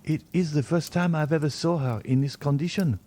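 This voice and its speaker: A man's voice: on the high side, fairly quick, dark tone, voice pushed up, lightly acted. A man voicing an anxious, tender young woman in an audiobook.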